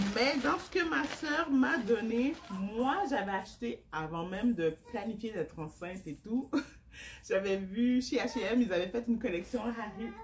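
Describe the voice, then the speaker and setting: Speaking in a Quebec accent, a woman uses a fairly high voice with very wide pitch swings. She goes at a very slow pace over noticeable background noise. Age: 40s. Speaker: daycare educator on maternity leave. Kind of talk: casual vlog talk to camera.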